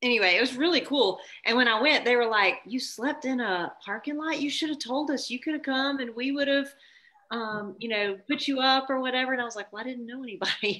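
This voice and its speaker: A raised, projected voice with a bright, sharp tone comes through in a Southern US accent. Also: woman, high pitch for a woman, ordinary pitch variation. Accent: Southern drawl. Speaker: podcast host, competitive shooter. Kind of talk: casual chat. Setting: live podcast.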